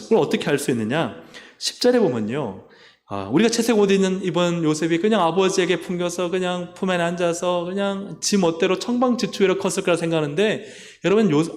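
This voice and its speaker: A man's voice: a little high, darkish tone. A male pastor preaching a sermon and putting questions to the congregation. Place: church sanctuary. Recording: long reverb of a church hall.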